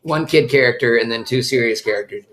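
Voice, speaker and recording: A man's voice: medium pitch, fast, fairly bright tone, slight background noise, rough recording. A middle-aged man hosting a casual live stream while watching a cartoon with his kids, chatting and answering viewer comments. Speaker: channel host watching a show with his kids.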